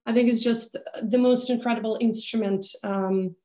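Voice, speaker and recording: A woman's voice: a little high, steady tone, normal speed, dark tone. A woman, a conductor and pianist, talking in a casual interview with many fillers and easy laughs. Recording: roomy echo.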